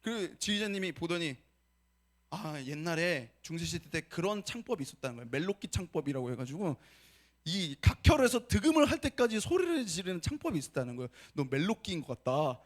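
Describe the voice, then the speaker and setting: A young man preaching a sermon as a pastor, telling stories with animated, acted-out dialogue. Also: on the high side, brisk. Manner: animated storytelling preaching, acting out his own past words. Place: church sanctuary.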